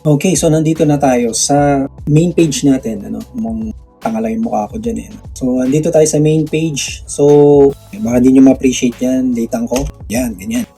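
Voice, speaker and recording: A man's voice: mid-range voice, normal speed, mellow, faint music behind. A Filipino man with a slight Visayan accent, chatting through a screen-recorded tutorial and answering viewer questions, often checking in with "okay?". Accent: Visayan-tinged Filipino. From Philippines. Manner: chatty, explanatory, laughs often, frequent "okay?" tags. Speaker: vlogger.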